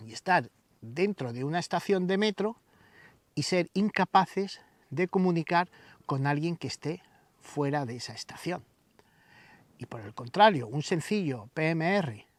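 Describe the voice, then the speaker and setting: A radio hobby channel host delivers a semi-scripted tutorial to camera, explaining things didactically and stressing the start of each phrase. His voice is fairly high in pitch, with no echo.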